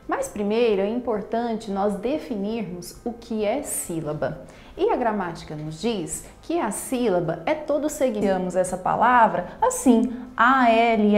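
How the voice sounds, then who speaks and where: A woman's voice: mid-range voice, a little mellow, reverberant. A woman teacher giving a grammar lesson, explaining patiently and repeating key terms. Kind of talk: classroom lesson.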